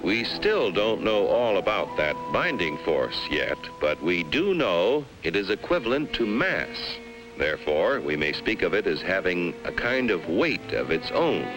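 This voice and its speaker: An American man delivers scripted narration in the style of a 1950s educational film. His low-set voice moves with lively, sweeping intonation. He is emphatic and dramatic, pausing for effect, with music clearly playing behind him. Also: low-quality recording. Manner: emphatic, dramatic, with rhetorical questions and pauses.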